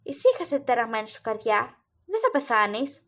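A woman voicing a stern, ailing, heavyset old king who speaks tenderly and coaxingly to his son, in a lowered voice. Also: very animated, a bit bright, exaggerated voice.

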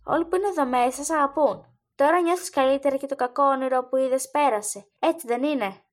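A woman voicing a stern, ailing, heavyset old king who speaks tenderly and coaxingly to his son, in a lowered voice. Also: lightly acted.

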